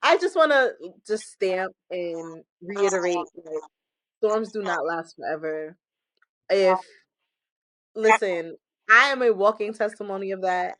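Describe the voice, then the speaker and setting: A woman guest giving an animated, emphatic faith testimony, exhorting listeners and laughing often. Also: mid-range voice, unhurried, no echo, poor audio. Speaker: podcast guest. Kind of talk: casual testimony-style faith talk.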